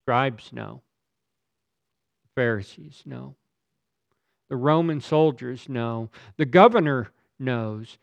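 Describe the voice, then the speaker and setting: A man's voice: mid-range voice, lively intonation, slow, creaky, pauses often, no room sound. A man preaching a sermon in a dramatic, emphatic way, building his points through rhetorical questions. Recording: slightly dull lo-fi recording.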